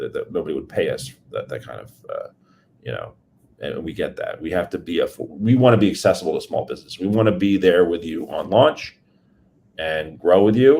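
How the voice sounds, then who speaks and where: A man talks at a fairly quick pace with a New Jersey accent. His loudness swings widely. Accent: New Jersey American. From US Northeast, New Jersey. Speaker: lawyer. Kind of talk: interview. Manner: fast.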